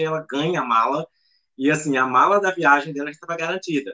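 This man's tone is bright and sharp. His pitch varies in an ordinary way. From Brazil. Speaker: missionary and theology teacher. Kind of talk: interview.

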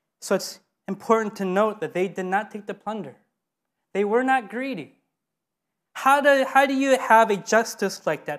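A woman with a non-native accent speaks at a moderate pace in a fairly high pitch, with lively intonation and big swings in loudness. Her long, frequent pauses come through in a very clean recording with a silent background. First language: not Korean. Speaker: pastor. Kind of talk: sermon. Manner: halting, with fillers.

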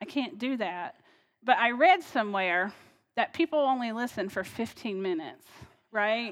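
With an American accent, a woman at a fairly high pitch makes very wide pitch swings and leaves long, frequent pauses. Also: moderate pace. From North Carolina. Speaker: lay preacher. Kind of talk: sermon. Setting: church.

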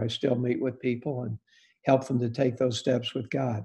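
A somewhat breathy, dark, mellow tone with fairly even intonation and an American accent. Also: man. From US South, Oklahoma. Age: 70s. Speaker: retired campus ministry director. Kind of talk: casual interview. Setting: video call. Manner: relaxed, conversational, some hesitations.

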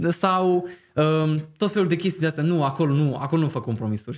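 A man speaks with a normal speaking voice. His pitch varies in an ordinary way. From Romania, Oradea area (Crișana). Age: 20s. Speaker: content creator. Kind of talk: casual podcast conversation.

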